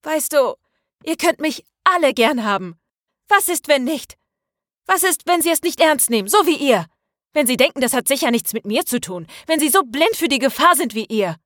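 An indignant young female student from an audiobook, acted out by a woman narrator. She speaks emphatically and defiantly, her voice pitched up, in a close, dry recording. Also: expressive, fairly quick, no echo, lightly acted. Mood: furious. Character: angry, stubborn young female student, passionate and worried. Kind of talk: dramatized audiobook dialogue.

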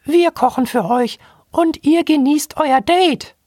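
A man voicing a tiny male robot capuchin monkey with a piping, squeaky voice, eager and helpful. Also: slow, a little mellow, no echo, clean studio sound.

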